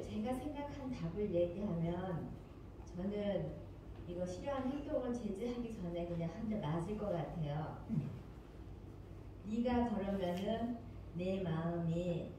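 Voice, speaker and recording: A woman's voice: mid-range voice, far from the mic, noisy background. Chatty woman teacher in an echoey room. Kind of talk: answering a quiz in a training session.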